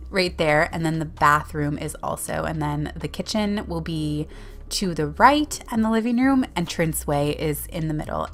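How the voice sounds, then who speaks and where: A woman's voice: fairly low pitch, fairly bright tone. A woman giving a casual, rambling voiceover for a video game build, with many small self-corrections. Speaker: Sims YouTuber narrating a speed build.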